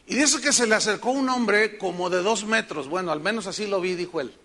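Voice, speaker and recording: A man with a Mexican accent, a pastor preaching a sermon with emphatic rhetorical questions and animated storytelling. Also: high-pitched, brisk. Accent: Mexican Spanish.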